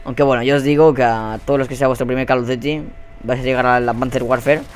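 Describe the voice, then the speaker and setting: Excitable Spanish-accented gamer man. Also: medium pitch, fast talker, clean tone. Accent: Spain Spanish. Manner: excitable and profane, bursting into shouts. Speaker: gaming YouTuber. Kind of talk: live gameplay commentary.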